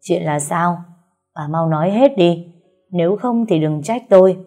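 A woman voicing a stern male master of a wealthy household who speaks loudly and commandingly. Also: lowish voice, normal speed, husky, soft background music. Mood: angry. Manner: loud, commanding.

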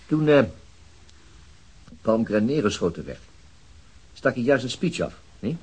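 Husky, easygoing police detective. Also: male voice, mid-range voice, big pitch swings, measured pace, darkish tone, poor audio. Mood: probing, casual. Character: easygoing, dryly amused male police detective. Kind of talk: naturalistic radio drama acting.

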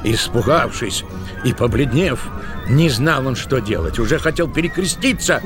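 A man narrating a literary tale in an expressive, theatrical storytelling style. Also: mid-range voice, normal speed. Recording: music behind the narration.

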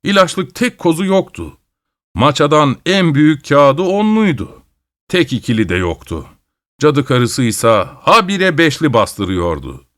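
A man reading a folk tale aloud with expressive delivery. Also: on the high side, a little slow. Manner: expressive, shifting voices for characters. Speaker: storyteller. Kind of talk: dramatic story reading.

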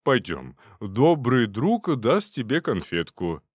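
A man's voice: medium pitch, big pitch swings, slow, slightly rough, no room sound, clean studio sound, full character voice. A man voicing a cheeky, lecherous older male gynecologist who drawls and teases. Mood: teasing. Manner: drawling, teasing, playful.

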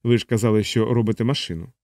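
A man's voice: fairly low pitch, steady tone, fast, darkish tone, no room sound, clean studio sound, lightly acted. A man voicing a frightened, sarcastic human traveler in an audiobook. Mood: pleading. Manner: sarcastic, pleading.

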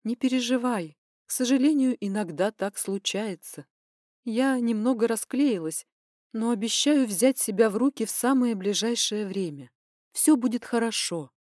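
Woman playing a tearful middle-aged mother, soothing, pleading, slightly higher voice. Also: moderate pace, darkish tone, no echo, clean studio sound, natural voice.

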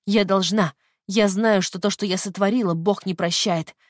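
A woman voicing a hypnotized woman who shrieks her childhood hatred in a shrill, childlike voice. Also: a little fast, dry recording, studio quality, lightly acted. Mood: remorseful.

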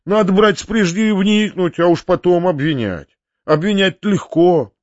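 Fussy older landowner, flustered and pleading, read by a man, high, dry muffled audiobook. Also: darkish tone, no echo, lightly acted. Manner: flustered, pleading, quick-talking. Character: fussy, kindly older male landowner uncle. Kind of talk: audiobook character reading.

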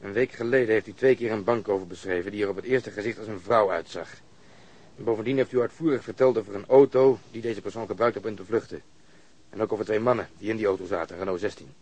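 An actor playing a blunt, stubborn, sardonic police detective interrogating someone in a radio drama. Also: male voice, on the low side, fast talker, a little mellow, close to an everyday voice. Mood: accusing.

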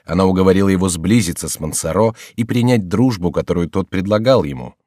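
A man narrating a classic novel in a measured, dramatic storytelling manner on a close studio mic. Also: low voice, expressive, mellow, no room sound. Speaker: audiobook narrator. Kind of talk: scripted literary narration.

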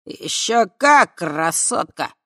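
A man's voice: high voice, expressive, a bit bright, dry recording, clean studio sound, voice pushed up. A reader doing a slurring drunk young man. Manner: slurred, slow, loose.

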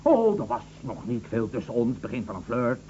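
Casting: male actor as wronged husband, mocking and coldly menacing, hugely varied pitch, radio play on dull, faintly noisy recording. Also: very animated, moderate pace, warm tone, lightly acted. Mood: bitter, accusing. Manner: sarcastic, mocking, theatrical. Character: bitter betrayed husband, sarcastic, coldly menacing. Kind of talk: Dutch radio drama acting.

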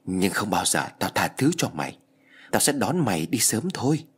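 A man voicing the cold, vengeful ghost of a young woman in a storybook tale, speaking slowly and low. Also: big pitch swings, a bit bright, breathy edge, exaggerated voice. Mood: menacing. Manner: slow, low, menacing.

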